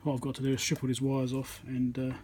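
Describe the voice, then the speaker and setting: A man's voice: medium pitch, completely flat delivery, warm tone. Man muttering through workbench demo, faint noise. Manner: halting, muttering to himself while concentrating on fiddly work. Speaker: electronics repairer, channel host. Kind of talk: casual hands-on demonstration commentary while working. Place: indoor electronics workbench. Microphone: phone on a tripod above the work. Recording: noisy room recording on a phone.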